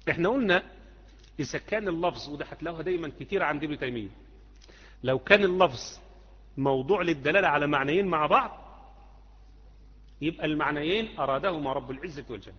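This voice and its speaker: A fast-talking Egyptian man teaches a religious lesson in a hall with a long, ringing reverb. His voice sits a little high and comes across muffled and dull. He keeps it conversational, tossing questions back to his listeners. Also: lively intonation. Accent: Egyptian Arabic. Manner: conversational, asks students rhetorical questions. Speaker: Islamic creed teacher.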